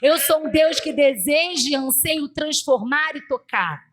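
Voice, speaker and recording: A Brazilian woman preaching voices God as a solemn, fatherly figure, speaking in slow, measured declarations. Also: high-pitched, lively intonation, fairly bright tone. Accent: Brazilian Portuguese.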